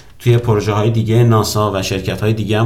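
Audible room echo surrounds a man whose pitch is fairly low. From Iran, Sarab (East Azerbaijan). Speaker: podcast host, software engineer. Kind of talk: personal monologue.

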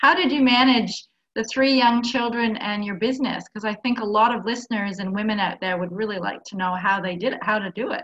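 A woman has a plain, everyday voice with a fairly high pitch. She talks at a fairly quick pace with hardly any pauses and ordinary pitch variation. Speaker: podcast host. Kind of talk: interview.

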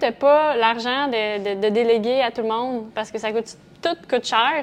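This woman has a high voice. The rise and fall of her pitch is ordinary. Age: 20s. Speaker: entrepreneur. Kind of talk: casual interview chat.

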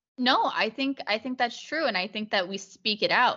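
Lively intonation marks the delivery. It is an ordinary speaking voice moving at a moderate pace. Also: woman. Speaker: podcast host. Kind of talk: casual chat. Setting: video call.

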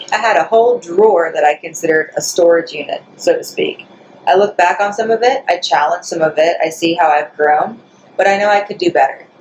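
Over noticeable background noise, a woman talks at a fairly quick pace in a fairly low voice with ordinary pitch variation. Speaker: grocery store manager. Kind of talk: casual interview chat. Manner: humorous, joking.

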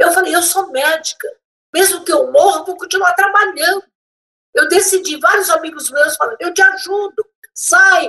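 Her voice is raised and projected, extremely high in pitch and bright and sharp in tone, as the woman talks at a moderate pace with ordinary pitch variation. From Portugal, Leiria region, moved to Brazil at seven. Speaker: gynecologist. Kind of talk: interview.

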